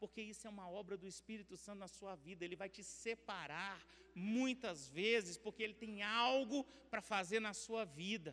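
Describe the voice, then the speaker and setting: A man's high-pitched voice with a bright, sharp tone, ordinary pitch variation and a moderate pace. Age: 40s. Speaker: pastor. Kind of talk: sermon.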